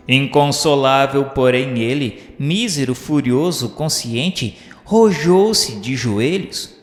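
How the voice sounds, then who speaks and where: A Brazilian man delivers dramatic radio-novel narration at a slow pace. His phrasing is solemn, literary and theatrical. The voice rings with long reverb over a bed of music. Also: medium pitch.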